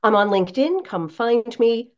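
A woman voice coach giving practical tips as an interview guest, speaking in an animated, expressive way. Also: fairly high pitch, moderate pace, lo-fi sound.

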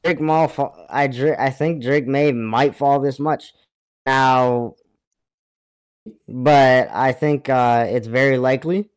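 A man with a smooth, clean voice of average pitch talks sports casually. He co-hosts over a remote connection, giving his analysis. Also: steady tone, slow. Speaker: podcast co-host.

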